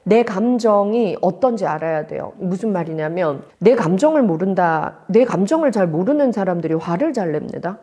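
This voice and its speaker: A woman's voice: mid-range voice, animated, normal speed, hardly any pauses, dark tone. A woman counselor and professor explaining psychology in a conversational talk, acting out people's inner thoughts as she goes. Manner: explanatory, animatedly acts out quoted thoughts.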